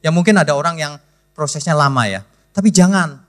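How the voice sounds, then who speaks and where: A middle-aged man preaching a sermon in a voice pitched a little above the usual for a man. He speaks with lively, direct emphasis, firing rhetorical questions at the congregation. He addresses them in a casual, conversational way. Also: brisk. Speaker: pastor.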